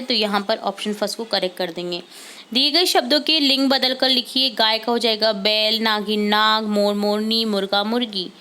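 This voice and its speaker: A woman teacher with a fairly high voice walks students through worksheet answers. She talks patiently, repeating each word slowly and dropping in English words here and there. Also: sharp tone.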